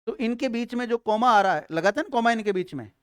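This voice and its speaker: Man, teacher, Rajasthani Hindi accent, resonant clear voice, answers his own questions, repeats phrases for dictation. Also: very high voice, lively intonation, a bit bright. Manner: asks students questions and answers them himself; dictates slowly, repeating phrases for note-taking. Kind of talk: classroom grammar lesson.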